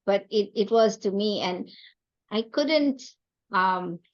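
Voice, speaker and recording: A woman's voice: mid-range voice, expressive, slow. Slightly muffled woman from Kenya, reflective storyteller. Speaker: podcast guest, entrepreneur and coach. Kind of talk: conversational interview storytelling.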